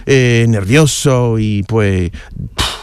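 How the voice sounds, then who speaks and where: A middle-aged man with a foreign accent, a non-native Spanish speaker, talking haltingly as an interview guest and often searching for words. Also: fairly low pitch, a little mellow, clean tone, dry recording, studio quality. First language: not Spanish. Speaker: guest, newspaper columnist. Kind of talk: casual interview talk.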